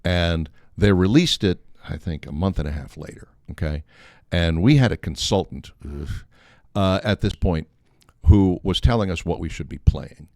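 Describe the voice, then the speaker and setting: A man's voice: low-pitched, normal speed, dry recording, clean studio sound. An older man telling a humorous anecdote in a casual, wry way, acting out the dialogue as he goes. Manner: animated, acts out quoted dialogue. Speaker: storyteller on a talk show.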